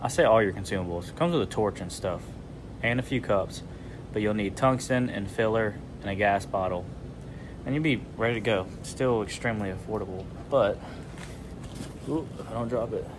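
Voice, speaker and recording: A man, talking through his garage fabrication work in a relaxed, rambling way, full of fillers. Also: fairly low pitch, moderate pace, noisy background. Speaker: fabricator and channel host. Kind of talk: casual shop vlog. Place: garage workshop.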